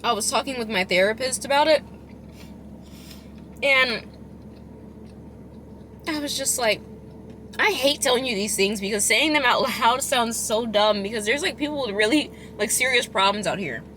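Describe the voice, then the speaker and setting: A woman chatting casually as a food vlogger, chewing while she talks, rambling and expressive with emphatic delivery. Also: a little high, normal speed, long pauses, slight background noise. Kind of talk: casual chatty eating vlog.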